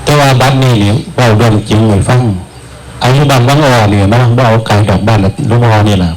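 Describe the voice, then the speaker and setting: A monk with a northeastern Thai Isan accent, giving a storytelling sermon at a village merit ceremony. He talks in an easy, folksy way and slips into the voices of the characters in his stories. His voice sits at an ordinary mid pitch for a man. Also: fast talker, soft background music, low-quality recording. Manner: lively storyteller acting out quoted voices, calls for blessing. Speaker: abbot preaching at a merit-making ceremony.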